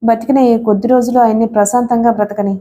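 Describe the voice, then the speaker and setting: Woman reading as a calm, firm young wife. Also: on the high side, fast talker, slight background noise, lightly acted. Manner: quiet but firm.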